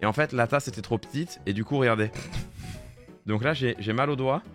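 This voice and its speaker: Man, sarcastic political commentator, casual live-stream talk, mid-pitched voice, soft music behind. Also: fairly quick. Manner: sarcastic, mocking asides.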